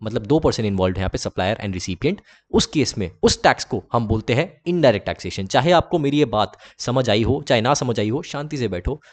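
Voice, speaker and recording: Fast-talking male teacher. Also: medium pitch, animated, a little mellow. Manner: chatty, playfully addresses students, acts out both sides of examples. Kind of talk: lecture.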